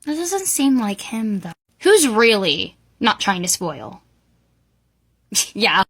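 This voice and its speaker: A woman's voice: mid-range voice, sing-song, slow, a bit bright. A woman giving casual reaction commentary in an informal, exclamatory way with plenty of swearing.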